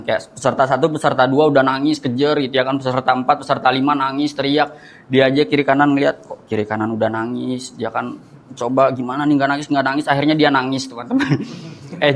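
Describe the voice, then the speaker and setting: A young man doing stand-up comedy, chatting and often turning to the crowd. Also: medium pitch.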